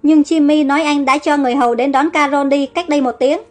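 A level-headed, suspicious young brother, as a woman narrator reads him talks things through in an audio storybook. The voice is high. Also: steady tone, fast, darkish tone, faint music behind, natural voice. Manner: reasoning, suspicious.

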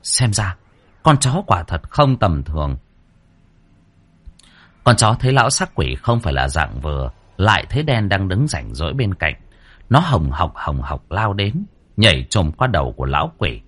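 A man narrating a scripted story with dramatic, expressive delivery. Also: sits low, moderate pace, slightly rough.

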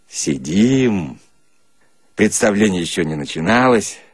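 Naive rank-and-file storyteller voiced by a man for comic radio reading, homespun, husky, very expressive. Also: on the low side, no room sound, clean studio sound, full character voice. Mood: wondering, bemused. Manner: folksy, colloquial, simple-hearted. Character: naive illiterate Red Army soldier, a comic storyteller.

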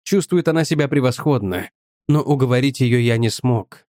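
A man voicing a weary, calm old male professor in an audiobook, low and unhurried. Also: no room sound, studio quality, lightly acted. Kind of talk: audiobook character voice.

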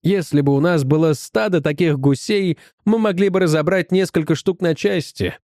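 A man reading a story aloud in the first person, in an animated, expressive manner. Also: a little high, moderate pace, dry recording, studio quality. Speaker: audiobook reader.

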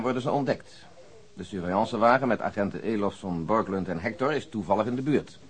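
A businesslike male detective in a radio play. He has a medium-pitched voice and lays things out in a dry, orderly way, always sticking to the facts. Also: husky. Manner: matter-of-fact, orderly briefing. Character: businesslike male police detective, dry, factual, keeps to the point.

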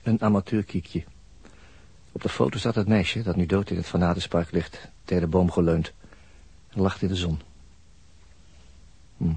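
Deep, husky, brooding man as crime-drama narrator. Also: steady tone, darkish tone, full character voice. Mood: brooding, haunted. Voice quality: husky, breathy. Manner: slow, introspective, halting monologue. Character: brooding, weary male narrator haunted by a murder.

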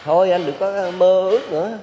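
A man's voice: sits high, fairly quick, dark tone, a little hiss or hum, voice pushed up, lightly acted. A man voicing a loyal city man who begs a rich master on his friend's behalf. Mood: earnest. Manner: earnest, beseeching. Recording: dull hall recording with long reverb.

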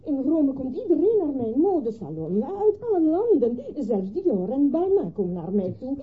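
An actress in a radio play playing an impatient, dramatic Italian fashion salon owner, speaking with an Italian accent and an excitable, urgent manner. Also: female voice, high-pitched, normal speed, phone-quality sound. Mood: agitated, demanding.

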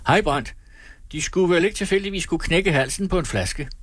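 A jaunty, teasing young man from an old story, performed by a male reader. His voice is pitched high above the reader's and slightly husky. He jokes with easy mischief. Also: fairly bright tone, no room sound.

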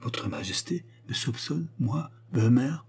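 Man playing a flustered, husky jeweller. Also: fairly low pitch, moderate pace, dark tone. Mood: stunned. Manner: deferential, agitated, pleading protest. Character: flustered, frightened male jeweller, respectful and desperate.

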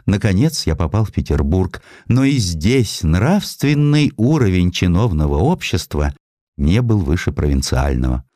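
A man voicing an idealistic clerk on trial in an audio drama, speaking in earnest, deliberate, quietly defiant oratory. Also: low-pitched, big pitch swings, no room sound, clean studio sound. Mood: earnest, indignant.

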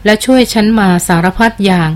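An earnest noblewoman explorer from an audiobook jungle adventure, as a woman reads her. She talks in a warm, urgent way at a middle pitch. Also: fairly quick, lightly acted.

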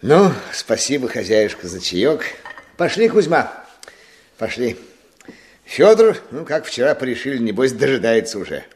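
Man acting a hearty, animated village organiser. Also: medium pitch, normal speed, close to an everyday voice. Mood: brisk, hearty. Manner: folksy, encouraging, musing aloud. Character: hearty, eager village organiser rallying the men. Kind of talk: Russian radio drama acting.

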